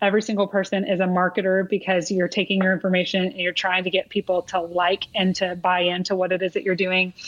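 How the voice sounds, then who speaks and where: A woman with an American accent talks at a very fast pace in a medium pitch, with very even loudness and hardly any pauses over noticeable background noise. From north central Texas. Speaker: education consultant and instructional coaching advisor. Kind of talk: casual interview. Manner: animated.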